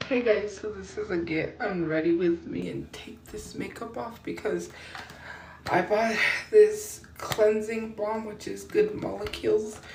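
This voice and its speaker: A woman speaks at a fairly slow pace with big swings in loudness, with noticeable background noise and audible room echo. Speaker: social media creator. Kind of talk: makeup tutorial. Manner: soft-spoken; casual, halting.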